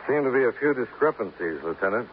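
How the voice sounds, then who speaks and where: A man's voice: medium pitch, sing-song, quick pace, slight background noise, lightly acted. Man playing a terse hard-boiled investigator. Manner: terse, dry narration. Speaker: narrator. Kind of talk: 1950s radio drama narration. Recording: tinny old radio with music.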